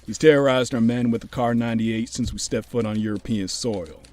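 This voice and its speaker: A man plays a fatherly older US Army officer in a wartime radio play. His voice sits at an ordinary medium pitch. He is genial and folksy, yet carries probing, commanding authority. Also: fairly even intonation, a little fast, darkish tone, dry recording, lightly acted. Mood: grave. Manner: folksy, commanding, addresses juniors paternally. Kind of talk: audio drama acting.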